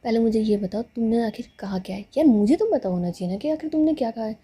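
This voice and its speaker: Grumpy, sleepy young woman on a late phone call, a husky, mellow voice, as a female storyteller puts her on. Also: a little high, fast. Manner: irritated, drowsy complaining.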